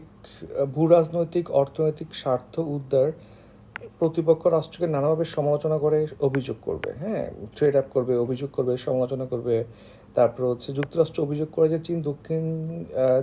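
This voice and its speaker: A man with a Bangladeshi accent giving an informal explanatory lecture as an online tutor, halting often with hesitations and filler phrases. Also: a little high, warm tone, slight background noise. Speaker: online tutor for job exam candidates.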